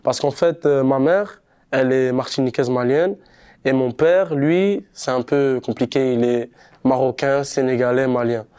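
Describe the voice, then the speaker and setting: A young man from Montreal, a rapper, talking casually in a relaxed, slangy street manner during an interview. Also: mid-range voice, a little slow, clean tone. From Montreal, Canada. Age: young adult. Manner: laid-back, slangy street talk.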